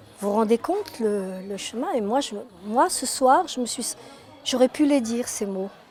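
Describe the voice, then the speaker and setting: A woman with fairly high pitch and lively intonation at a fairly slow pace, big swings in loudness, noticeable background noise. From Algeria (pied-noir). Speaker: participant in an anti-racism event. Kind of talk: interview testimony.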